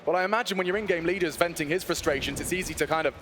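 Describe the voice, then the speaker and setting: A man working as an esports caster, calling live play-by-play with excitable, dramatic phrasing. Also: fairly high pitch, very fast. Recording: noisy game audio behind voice. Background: gunfire and game sounds.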